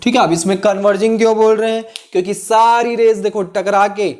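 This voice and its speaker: High-voiced Indian man teaching physics. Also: level tone, a little fast, a little mellow. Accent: Indian English terms mixed into Hindi. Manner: explains step by step, repeats key phrases, asks checking questions. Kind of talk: classroom lesson.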